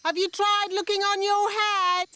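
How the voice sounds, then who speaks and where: A woman playing a brisk, wry fairy nanny with a British accent and a no-nonsense manner in a children's cartoon. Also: extremely high pitch, little pitch movement, pushed and bright, no room sound, heavily acted. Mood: wry, exasperated.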